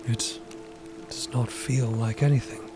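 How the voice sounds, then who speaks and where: An actor voicing a detached, emotionless undead cosmic explorer in an audio drama, speaking formally and deadpan. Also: male voice, medium pitch, measured pace, over music, close to an everyday voice. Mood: detached, flat. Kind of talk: dramatic audio fiction acting.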